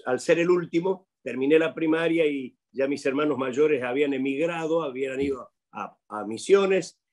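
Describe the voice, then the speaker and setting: Older man, Argentine accent, pastor on a video call, cheerful, chuckling, a bit higher pitch. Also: moderate pace, a little mellow. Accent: Argentine Spanish. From Corrientes, Argentina. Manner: cheerful, chuckling, hesitant restarts. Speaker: pastor, guest. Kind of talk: video-call interview, storytelling. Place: home room with plants.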